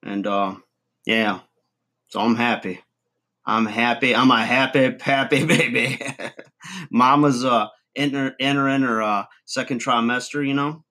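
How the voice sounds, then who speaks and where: A folksy redneck guru rambles through a comic advice show, as a man plays him. He chuckles, trails off and mangles big words. His voice sits at an everyday middle pitch. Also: steady tone, a little slow, pushed and bright. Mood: boastful rambling. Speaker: comedy channel host. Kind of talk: comic monologue to camera.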